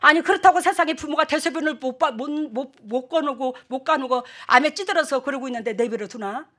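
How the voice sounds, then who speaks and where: A woman's voice: high voice, brisk, fairly bright tone. A woman acting out her older brother, who scolds his sister indignantly in a raised voice.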